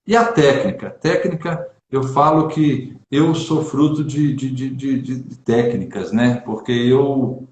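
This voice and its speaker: A Brazilian Catholic preacher speaking in a casual online chat, earnest and emphatic, repeating phrases for stress. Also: male voice, mid-range voice, slow, few pauses, a little mellow, roomy sound.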